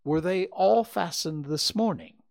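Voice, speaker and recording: A man reading aloud, voicing a calm, shrewd male detective who asks precise questions. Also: high voice, measured pace, vocal fry, pitched above the performer's own voice. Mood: probing.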